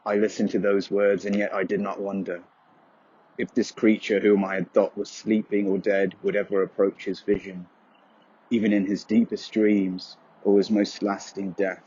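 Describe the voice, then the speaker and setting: Low, husky man narrating solemnly. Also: flat delivery, dark tone, lo-fi sound. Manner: brooding, solemn, measured delivery. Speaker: voice-over narrator. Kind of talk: scripted dramatic narration of dark poetic prose.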